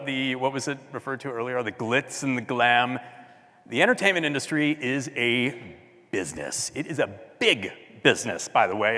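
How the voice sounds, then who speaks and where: A man giving a talk at a design conference, chatty and loud, often asking the audience questions. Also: mid-range voice, big-room sound. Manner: loud speaking voice. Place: large hall with audience.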